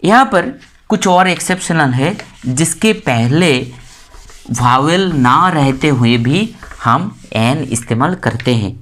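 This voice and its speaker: A woman's voice: low-pitched, animated. Woman teaching grammar, repeating example words. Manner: repeats example words slowly and stresses them. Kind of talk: explanatory lesson in Hindi.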